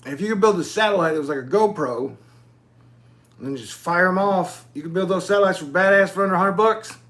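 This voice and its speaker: A high, fairly bright voice moving fairly quickly belongs to a forties-aged man running his YouTube channel. His talk is loose and rambling, with casual swearing mixed in.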